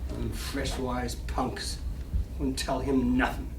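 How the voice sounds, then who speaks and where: A man's voice: mid-range voice, little pitch movement, takes it slowly, creaky. A man playing a cynical small-time gambler and wise guy in a live play reading, with slangy, clipped tough talk. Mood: brash, guarded. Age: middle-aged. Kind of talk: live dramatic stage reading. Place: library reading room. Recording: echoey room, distant mic, background noise.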